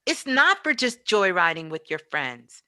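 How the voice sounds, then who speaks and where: Bright-voiced woman giving emphatic spiritual teaching. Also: mid-range voice, big pitch swings, a little slow. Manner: emphatic, preaching, with repeated phrases. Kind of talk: motivational spiritual talk.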